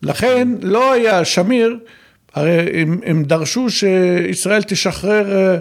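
A man's high-pitched voice at a very slow pace, with very even loudness and ordinary pitch variation. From Lebanon, Beirut. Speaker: Middle East scholar. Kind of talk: interview. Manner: halting.

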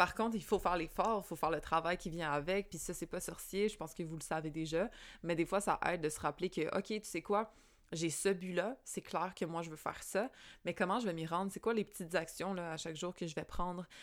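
A woman speaks at a fairly quick pace with a fairly low pitch. The recording is very clean with a silent background. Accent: Quebec. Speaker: podcast host and astrology consultant. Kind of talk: casual monologue. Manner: animated.

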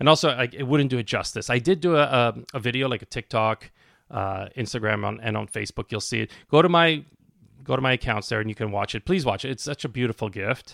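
A man at medium pitch talks at a very fast pace, with ordinary pitch variation and vocal fry. The sound is dry and close with no echo, a very clean recording over a silent background. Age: 50s. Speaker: podcast host, former chef. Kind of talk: motivational solo podcast monologue. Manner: conversational, with frequent self-corrections.

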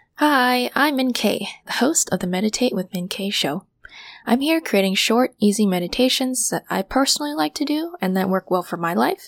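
With a calm tone and lively intonation, a woman speaks at a moderate pace in a fairly high voice with vocal fry, the sound dry and close with no echo.

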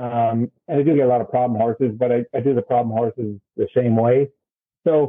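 A man talks in an ordinary speaking voice with a Canadian accent at a moderate pace. His pitch is medium and his intonation fairly even. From Alberta, Canada. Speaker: horse trainer. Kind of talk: casual chat. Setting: video call.

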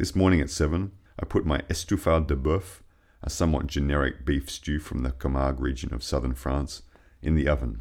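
Speaking at a fairly quick pace with an Australian accent, a man uses a very deep, low pitch with vocal fry and ordinary pitch variation. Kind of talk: reading aloud. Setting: home study.

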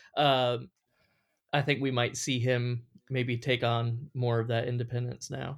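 On a very clean recording with a silent background, a man with an American accent and a plain, everyday voice speaks at medium pitch and a moderate pace. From United States. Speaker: podcast co-host. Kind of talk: casual chat.

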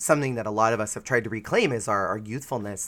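A man with an American accent and a plain, everyday voice, medium pitch and ordinary pitch variation, in a very clean recording with a silent background. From US West, Southern California high desert. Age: 30s. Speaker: podcast host. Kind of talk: personal storytelling monologue. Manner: casual, laughs often.

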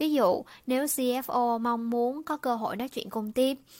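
A woman speaks at a high pitch with fairly even intonation. The sound is dry and close with no echo, a very clean recording on a silent background. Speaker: Agile/Scrum coach presenting an educational video. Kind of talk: scripted narration.

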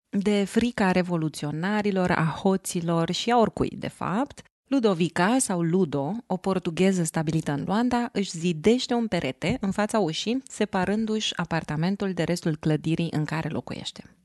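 A woman with an ordinary speaking voice talks at a moderate pace and medium pitch with ordinary pitch variation and hardly any pauses, dry and close with no echo against a quiet background. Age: 40s. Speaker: literary translator, podcast co-host. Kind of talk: casual chat.

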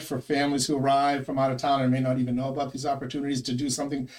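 An American accent is heard against noticeable background noise. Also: man. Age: middle-aged. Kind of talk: casual chat; sponsor reading. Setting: studio.

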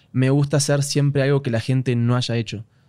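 A man talks at a fairly quick pace in a Uruguayan accent. The recording is very clean, with a silent background. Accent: Uruguayan Spanish (rioplatense). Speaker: YouTuber. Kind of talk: casual chat.

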